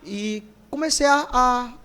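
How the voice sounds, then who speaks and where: High-voiced man telling stories. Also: takes it slowly, smooth. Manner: lively storyteller who acts out quoted voices. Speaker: singer, podcast guest. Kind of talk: casual storytelling interview.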